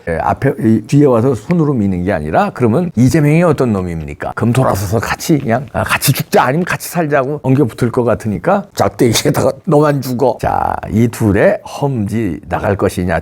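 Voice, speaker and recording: A man's voice: mid-range voice, a little mellow. A middle-aged man hosting his own channel, giving chatty, mocking political commentary that he acts out and laughs through.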